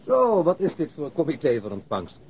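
An actor playing a defiant, indignant suspect in a radio play, scoffing, irritated and evasive. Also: male voice, a little high, huge pitch swings, moderate pace, slight background noise. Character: defiant, indignant male airline worker held as suspect. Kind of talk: Dutch radio play acting. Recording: dull lo-fi radio drama recording.

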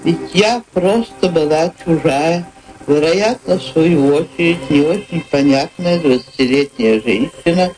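An actress playing a dignified older female poet, narrating her memories in a measured, literary manner for a radio play. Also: low voice, animated, low-quality recording. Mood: reflective, wistful. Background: music.

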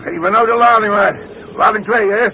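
High, irritable old demolition man. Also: normal speed. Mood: irritated, scolding. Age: older. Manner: snappy, scolding. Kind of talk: 1960s Dutch radio play acting. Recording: muffled, noisy 1960s radio recording.

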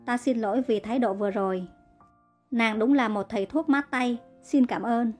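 A woman reading the part of a proud young male king speaking gently and earnestly in a narrated story. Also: fairly high pitch, moderate pace, soft background music, natural voice. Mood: tender.

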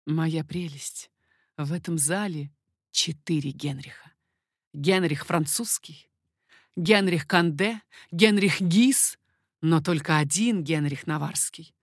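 A woman voicing an amorous, confident king in a storybook reading, lowering her voice and speaking slowly and insistently. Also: no echo, studio quality. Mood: slow persuasive. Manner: low, slow, insistent. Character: amorous middle-aged man, a king, confident and ardent.

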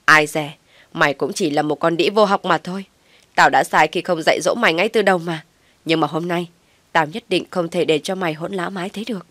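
A woman playing a dramatic old mother-in-law, loud wailing lament, scolding, lowish voice, dry sound. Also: fairly quick, no room sound. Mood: scornful. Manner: wailing, theatrical complaining.

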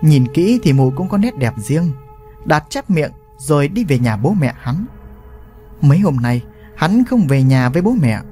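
Guy reading a story out, really animated, soft music in the back. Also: on the high side, measured pace. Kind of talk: scripted story narration. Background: faint music.

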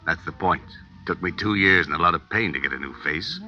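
A menacing middle-aged crime boss from a 1940s radio thriller. The voice sits extremely low and cuts sharply through a muffled old recording. He talks in slangy taunts, smugly in command. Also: lively intonation, brisk, bright, forceful tone, exaggerated voice. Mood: cold, explaining. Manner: slangy, taunting tough-guy talk.

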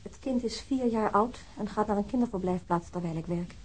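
A woman playing a nervous, fragile widowed mother in a radio drama, giving a formal, earnest account in a dark, husky voice. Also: mid-range voice, a little fast, slight background noise, close to an everyday voice, poor audio. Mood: troubled, formal. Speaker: actor. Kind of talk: radio drama, reading a letter.

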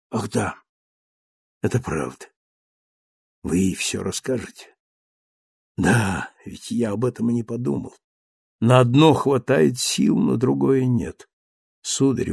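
A man voicing an anguished older ex-convict who pleads in a hushed, halting voice. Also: mid-range voice, gravelly, slightly rough, no echo, studio quality.

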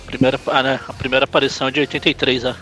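A man's voice: medium pitch, little pitch movement, very fast, bright, forceful tone, soft background music. A Brazilian man with a Brazilian Portuguese accent, co-hosting a casual comic book podcast, joking and adding trivia he looks up. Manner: jokey, looks things up, adds trivia. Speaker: podcast co-host.

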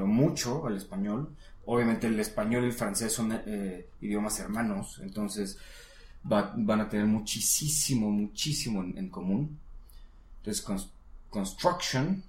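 A man giving a casual one-on-one English lesson, patiently coaching and modelling words slowly. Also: lowish voice, darkish tone, reverberant. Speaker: English teacher.

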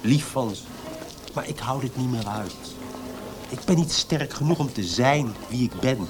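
An actor playing a fragile, self-pitying young poet in a Dutch radio drama, with a plaintive and halting delivery. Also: male voice, mid-range voice, expressive, close to an everyday voice. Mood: resigned. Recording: radio play with noisy background ambience.

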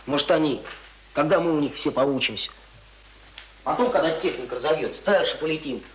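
An actor in a radio play playing an earnest, argumentative young village student who lectures insistently and colloquially. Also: male voice, a little high, expressive, brisk, fairly bright tone, slight background noise. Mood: dreamy, enthusiastic. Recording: roomy, echoing radio drama recording.

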